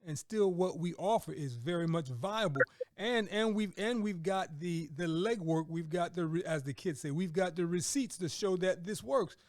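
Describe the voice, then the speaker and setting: A middle-aged podcast host and business mentor leads a conversational interview, affirming his guest and repeating words and phrases for emphasis. His voice is high-pitched with a darkish tone, at normal speed.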